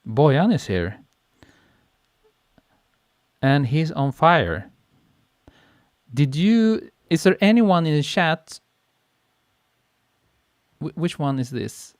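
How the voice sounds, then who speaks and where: A man hosts a live stream, chatting with viewers at an unhurried pace. His voice is smooth and clear, picked up close on a podcast mic with very little room sound. He reads comments aloud and laughs easily. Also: a little high, expressive, no room sound. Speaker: photographer hosting a live stream. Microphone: podcast mic on a boom arm.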